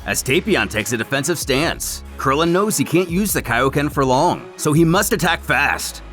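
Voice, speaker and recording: Male narrator, animated delivery for a comic recap, music underneath. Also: fairly high pitch, moderate pace. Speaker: narrator of a fan comic series. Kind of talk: scripted story recap narration with acted quotes.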